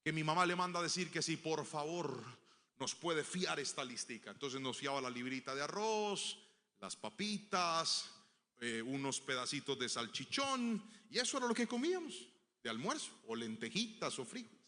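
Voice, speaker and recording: A man's voice: a little high, sing-song, normal speed, in a large hall. A man preaching a sermon, telling a personal story and acting out the voices of the people in it. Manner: storytelling, acting out quoted voices, swelling to loud proclamation.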